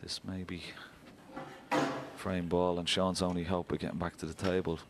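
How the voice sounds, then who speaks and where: A man giving live snooker commentary in a hushed, measured manner. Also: deep voice, flat delivery, very noisy.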